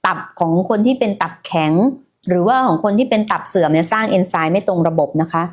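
Animated and quick, this woman speaks with a fairly low pitch. Hosting an informal health livestream, she keeps up a chatty flow full of fillers while talking straight to viewers.

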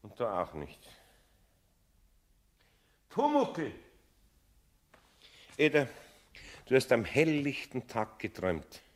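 A kindly, excitable carpenter with a Bavarian accent in a radio play. His slightly rough voice leaps wildly from low muttering to high exclamations, and he takes his time between phrases. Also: takes it slowly, long pauses, heavily acted. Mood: anxious, wistful. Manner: muttering to himself, bursting into exclamations.

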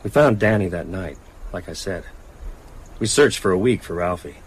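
A weary, haunted writer in a radio drama. His lowish voice is reflective and hesitant, over audible background ambience. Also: animated, normal speed, a little hiss or hum, rough recording. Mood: grave, reflective. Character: haunted, weary male writer recounting evil events. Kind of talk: radio drama narration and dialogue.

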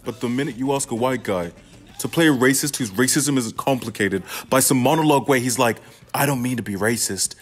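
A man's voice: mid-range voice, a little fast, husky, soft background music, lightly acted. An actor playing a frustrated, sardonic black male playwright in a radio play monologue, profane, confessional and emphatic. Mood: exasperated, ranting. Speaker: student actor.

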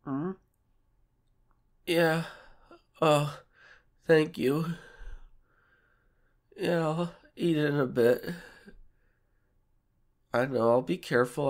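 A man voicing a shy, submissive, sick young boyfriend in an ASMR audio roleplay, congested and soft, with hesitant, pleading delivery. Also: on the high side, slow pace, pauses often. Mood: tired, obedient. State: sick, sore throat, stuffy nose.

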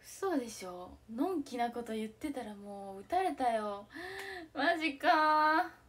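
Young woman, slightly high voice, casual live-stream commentary, excitable, reacts aloud, sometimes whispers. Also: normal speed. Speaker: idol streaming live reactions to a baseball game.

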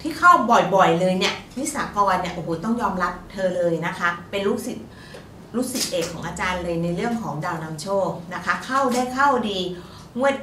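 Woman fortune teller, bright voice, roomy echo, distant mic, polite chatty talk. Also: lowish voice, lively intonation, fairly quick, a little hiss or hum. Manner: polite, chatty, frequent particles. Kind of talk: casual lottery-tip talk.

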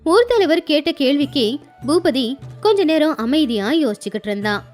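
A woman's voice: sits high, big pitch swings, moderate pace, darkish tone. A woman narrating a cartoon moral story and voicing the mother, in a plain, simple way. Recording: faint music underneath.

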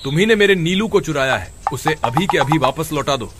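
A man voicing a kind, earnest male village farmer who speaks with care, over loud background noise. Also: a little high, animated, fairly quick, lightly acted. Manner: earnest, caring.

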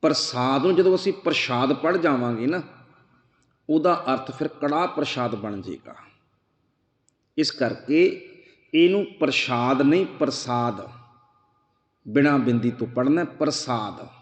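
A man preaching a Sikh scripture sermon, chanting verses slowly and then explaining them earnestly. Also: a little high, animated, roomy sound, big-room sound. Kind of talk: slow devotional sermon.

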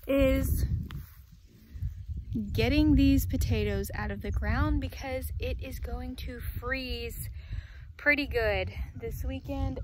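A young woman vlogging as she does farm chores outdoors, chatting casually with the camera and softly cooing at the animals. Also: on the high side, slight background noise. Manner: chatty, talks to the animals in a soft baby voice. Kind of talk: casual chat. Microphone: phone camera, often held at arm's length. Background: farm animals and outdoor ambience.

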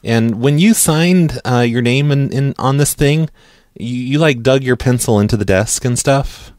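A man's voice: medium pitch, measured pace, a little mellow, no echo. This man stammers and halts through a prank call, putting on a mock-earnest tone. His voice is dry and close, with no room sound around it. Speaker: prank caller.

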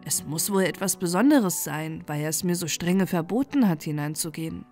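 A woman's voice: fairly low pitch, normal speed, darkish tone, soft background music, pitched below the performer's own voice, natural voice. A woman voicing a cheerful, curious young king's son in a bedtime fairy tale, exclaiming in wonder.

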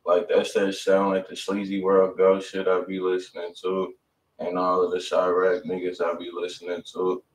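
A man's voice: low-pitched, monotone, normal speed. A man hosting a music review stream in casual chat, slangy and profane. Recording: roomy, distant mic, faint noise.

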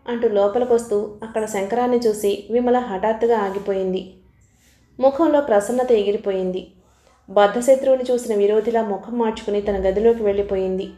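A woman reading a novel aloud as an audiobook narrator, in a steady storytelling manner. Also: medium pitch. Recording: roomy echo.

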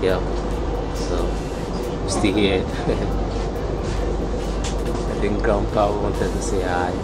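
A man's voice: deep voice, little pitch movement, slow, loud music behind the voice. A man vlogging aboard a train, chatting casually and laughing often. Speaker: travel vlogger. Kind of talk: casual vlog narration. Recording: loud train noise behind. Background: loud train and traffic noise.

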